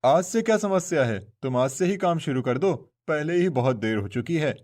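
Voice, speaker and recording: A man does Hindi cartoon voice acting as a stern older boss of a village fish pond, scolding and ordering people around. His natural voice sits a little high and has a darkish tone, and he speaks expressively at a normal speed.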